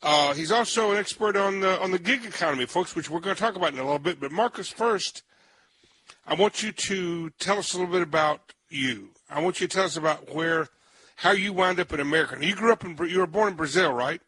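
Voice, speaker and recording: A man's voice: sits high, fast, sharp tone, a little hiss or hum. A male radio show host interviewing a guest in a chatty, friendly way, now and then tripping over names.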